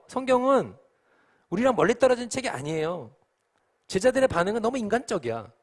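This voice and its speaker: A young male pastor preaching a lively youth sermon, his fairly high voice swinging up and down. He talks casually and acts out scenes in quick asides. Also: husky. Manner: animated, acts out the disciples' panic in quick asides.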